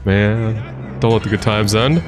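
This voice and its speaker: A man's voice: on the low side, steady tone, unhurried, over music. A man hosting a reaction video, making casual joking asides and laughing often.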